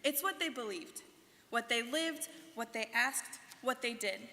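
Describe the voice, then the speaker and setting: Heavily acted and animated, a young student performer recounts a life in the first person with earnest recollection in a rehearsed stage monologue. Her fairly high voice is bright and forceful, delivered at a measured pace. The live reading took place in a reverberant hall.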